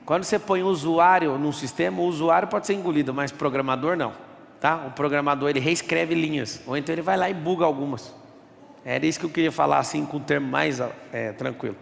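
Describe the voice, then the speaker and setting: A man speaks to an auditorium with a fairly high, gravelly voice. He talks emphatically and acts out other people's lines as he goes. A long reverb from the hall trails after his words. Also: fast talker. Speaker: speaker at a live event. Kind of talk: motivational talk with audience Q&A.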